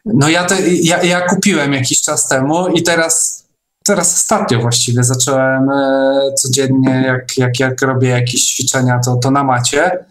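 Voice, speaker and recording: A man hosting a casual online discussion, speaking haltingly and often repeating his words. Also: medium pitch, steady tone. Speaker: online meeting host.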